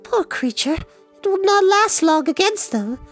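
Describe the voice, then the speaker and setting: A storyteller voicing a bold, spirited young princess in a read-aloud fantasy tale, pitched far above the reader's own voice. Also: lively intonation, unhurried, a bit bright, faint music behind, heavily acted. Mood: worried.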